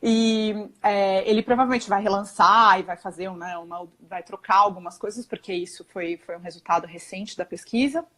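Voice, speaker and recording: A woman's voice: medium pitch, a bit bright. A young woman with a Brazilian Portuguese accent, explaining parenting ideas in a casual chat and often checking in with tag questions. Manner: chatty, peppered with tag questions and quick self-corrections. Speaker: parenting guest on a live stream.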